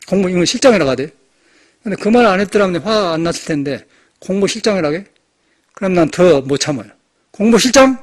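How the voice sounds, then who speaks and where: Older man, Buddhist monk, high voice, lively storytelling sermon, temple hall. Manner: animated storytelling, acting out shouted quotes. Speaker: Buddhist monk giving a dharma talk.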